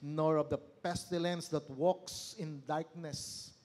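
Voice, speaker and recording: Male pastor, high voice, lively sermon with call-and-response questions and sudden drops to slow, quiet stress. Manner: preaches in Tagalog mixed with English, asks the congregation questions; swings from loud exclamations to slow, low emphasis.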